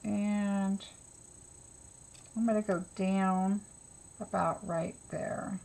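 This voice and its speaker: A woman leads a hands-on craft class in a casual, chatty way. Her voice sits at an ordinary middle pitch for a woman. She talks through each small step as she works, as if half to herself. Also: fairly even intonation, very slow, creaky, a little mellow. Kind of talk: casual live craft tutorial.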